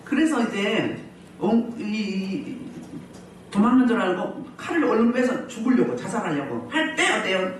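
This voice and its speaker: A woman pastor preaching a healing service sermon, animated, often putting questions to the congregation and laughing as she goes. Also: mid-range voice, unhurried, a little hiss or hum. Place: church hall. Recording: very echoey hall, mic at a distance.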